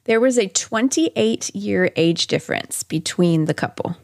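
A woman's voice: medium pitch, expressive, a little slow, gravelly, no room sound, clean studio sound. A woman hosting a podcast, telling a true-crime story conversationally with chatty asides. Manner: chatty asides amid narration. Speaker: podcast host.

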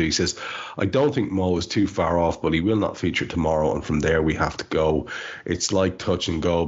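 A man's voice: deep voice, husky. A man hosting a casual podcast chat who leads the discussion and puts questions to his co-hosts. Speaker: podcast host. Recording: dull lo-fi podcast audio.

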